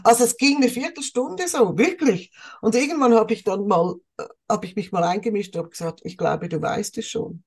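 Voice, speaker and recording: A woman's voice: lowish voice, a little mellow, breathy edge. A woman, a podcast co-host and coach, telling a story with emphasis in a casual chat.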